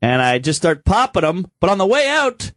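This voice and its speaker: Congested, animated male comedian. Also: high-pitched, normal speed, dry recording, studio quality. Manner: animated, acts out both sides of encounters. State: congested from a cold. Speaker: podcast co-host. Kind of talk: casual comedic storytelling.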